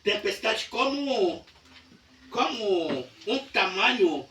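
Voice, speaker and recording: Male pastor from Brazil, sermon delivery, lively high voice, recorded distant in a reverberant hall. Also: slow, slight background noise. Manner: dramatic storytelling that swings between hushed tones and shouts. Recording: echoey church heard from a distance.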